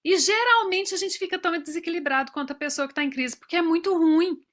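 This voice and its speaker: Brazilian woman, forties, speaker at a professionals' talk; high, bright voice; tells personal stories and acts out dialogue. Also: quick pace. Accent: Brazilian Portuguese.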